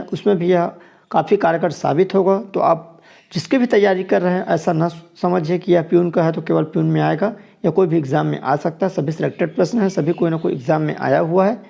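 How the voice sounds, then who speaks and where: A man with a deeply gravelly, dark-toned voice teaches a grammar exam class. He walks through each multiple-choice question, sits a little high in his pitch, and says each answer twice. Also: fairly even intonation, a little fast, lo-fi sound. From Chhattisgarh, India. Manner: explains each answer step by step, repeating it. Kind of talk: exam question walkthrough lesson.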